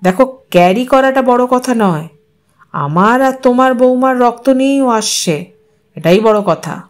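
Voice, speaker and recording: A woman voicing a young city husband who lowers her voice to patiently and defensively explain himself to his mother on the phone. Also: animated, unhurried. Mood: insistent.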